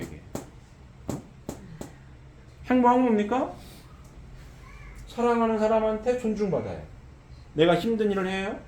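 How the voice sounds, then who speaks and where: A man's voice: sits high, darkish tone, slight background noise. Man, preacher, sermon, rhetorical questions, "eh?" asides, reverberant hall sound.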